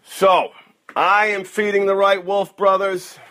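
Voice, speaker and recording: A man's voice: high-pitched, flat delivery, slow pace, sharp tone. A man talking casually and earnestly to his listeners as a coach and host, with an encouraging manner. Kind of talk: casual direct address to listeners.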